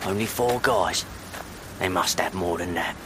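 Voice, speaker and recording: A man's voice: low-pitched, a little slow, noisy background. A man playing a loyal, eager gangster henchman in an audio drama, with an urgent, rallying manner. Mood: alert, wary. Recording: loud music bed. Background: loud dramatic music.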